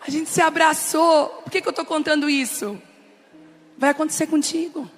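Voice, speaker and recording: A middle-aged woman pastor with a high voice speaks at normal speed, faint music behind her. She preaches via a personal story, addressing the audience directly, very animated and emotional, laughing and crying as she goes.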